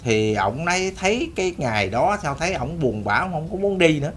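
A storyteller host with a Southern Vietnamese accent spins a rambling, folksy tale for his audience, repeating and restarting phrases as he goes. His voice is a little high and fairly bright, very animated and fairly quick, with a faint hiss or hum in the recording.

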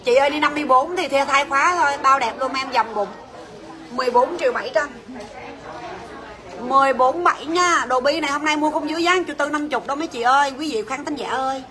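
A woman with a high voice talks fast in a livestream sales pitch, selling jewelry from her shop while a crowd is heard behind her. Chatty and bossy, she teases her staff and calls out prices.

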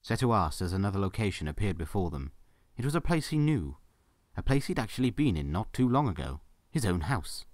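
Deep-voiced male story narrator. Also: big pitch swings, brisk, darkish tone, no echo, clean studio sound.

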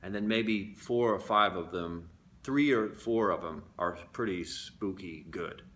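A man's voice: sits low, unhurried, a bit bright. A man talking casually and candidly to his viewers, reflective and confessional. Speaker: vlogger. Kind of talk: casual talk to camera.

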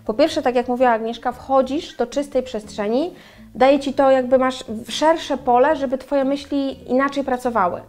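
A middle-aged woman co-hosting a casual chat, animated and speaking straight to viewers, on a lapel mic in a bright room. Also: sits high, normal speed. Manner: animated, gesturing, addresses viewers directly. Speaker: co-host. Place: bright room with flowers and windows.

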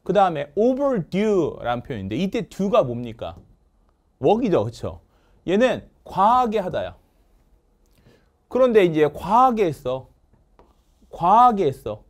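Upbeat guy teacher drilling vocab words, slightly high voice, pitch jumping all over. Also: sing-song, slow pace, pauses often. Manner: call-and-response drilling, asks "됐습니까?" often; jokes with the producer off camera. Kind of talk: lively classroom lecture.

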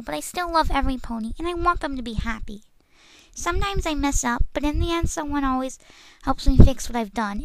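A woman's voice: high-pitched, low-quality recording. A woman voicing a sweet, clumsy female cartoon pegasus pony with a nasal, stuffy-nosed, simple and earnest delivery.

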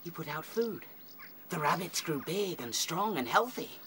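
Fiver, an intense, bright-voiced rabbit seer. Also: male voice, a little high, animated, measured pace, a little hiss or hum. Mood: grave, bitter. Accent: British. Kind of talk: radio drama acting.

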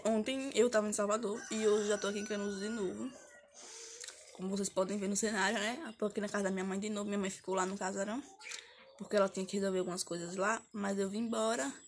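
A woman's voice: mid-range voice, fairly bright tone, slight background noise. A woman, telling a personal story to camera in a chatty, emotional way, often repeating herself. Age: 20s. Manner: chatty, repetitive, emotional retelling. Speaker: vlogger. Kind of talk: casual confessional storytime. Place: her mother's house, indoors.

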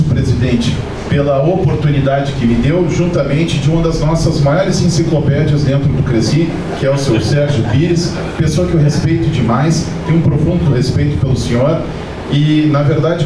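A middle-aged man, from Rio Grande do Sul, giving an effusive formal speech to a meeting with a handheld mic. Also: a little high. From Rio Grande do Sul, Brazil. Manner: effusive, ceremonious thanks. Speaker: council member addressing a meeting. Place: conference room, indoors. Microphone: handheld mic, far camera. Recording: echoey room from far off, with room noise.

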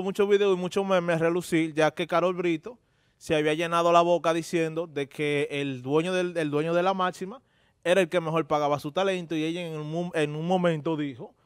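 A man's voice: a little high, steady tone, brisk, clean tone, no echo. A young man with a Dominican accent, co-hosting a studio talk show, talkative and full of asides. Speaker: radio show co-host. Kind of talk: casual panel commentary. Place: TV-radio studio. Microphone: studio microphone on desk stand.

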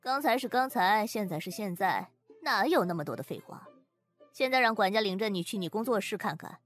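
A woman's voice: mid-range voice, expressive, brisk, natural voice. A woman playing a haughty, hot-tempered rich young mistress who scolds imperiously in a Chinese audio drama. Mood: impatient. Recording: music bed behind the voice.

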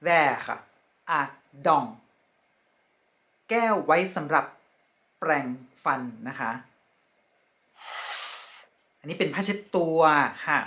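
Slow, bright-voiced woman teaching vocabulary. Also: sits low. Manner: slow, careful repetition of each word; polite, ends phrases with soft particles. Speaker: French teacher. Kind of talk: vocabulary lesson.

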